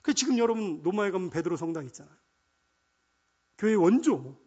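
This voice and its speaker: A middle-aged man preaching a sermon as pastor. He swings from soft asides to loud proclamations, quotes scripture and leads the congregation in call-and-response. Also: high voice, very animated, brisk.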